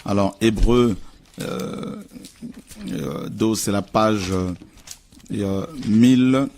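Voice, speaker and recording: A male pastor preaching in an earnest, unhurried way. His voice sits a little low, and he pauses often with fillers as he works through his points. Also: creaky, darkish tone, slight background noise. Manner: earnest, halting with many fillers. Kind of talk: sermon.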